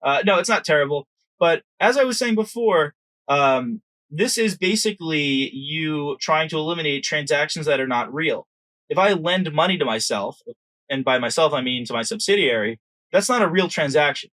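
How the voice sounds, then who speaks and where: A man's voice: on the high side, animated, moderate pace, a bit bright, no echo, poor audio. A man giving an informal lecture as an exam prep instructor, conversational and often checking in with the listener.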